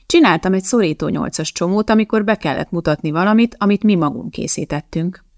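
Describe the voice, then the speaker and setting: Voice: mid-range voice, a little mellow, dry recording, studio quality, close to an everyday voice. An audiobook narrator voicing an earnest, precocious little girl who talks literally.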